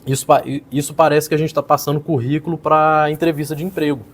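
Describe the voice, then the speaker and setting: A man, a public speaking coach, casually explaining and critiquing a politician's speech as he pauses the clip. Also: fairly high pitch, level tone. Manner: explanatory, pauses clips to critique, repeats "então". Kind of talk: casual video commentary.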